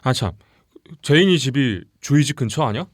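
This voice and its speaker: A man's voice: medium pitch, animated, normal speed, no echo, studio quality, lightly acted. An actor playing a male friend who questions a storyteller in audio drama banter. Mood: surprised, curious.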